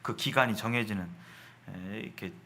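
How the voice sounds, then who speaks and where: Bright-voiced man preaching a sermon. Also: on the low side, brisk, vocal fry. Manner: explanatory, asks the listeners rhetorical questions. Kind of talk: sermon to a congregation.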